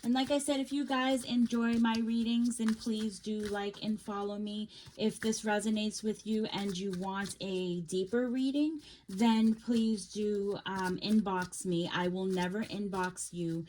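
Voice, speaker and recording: A woman giving a casual tarot reading, talking in a gentle, reassuring way and often halting with fillers and restarts. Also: medium pitch, fairly even intonation, slight background noise. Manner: gentle, reassuring second-person advice. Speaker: tarot reader.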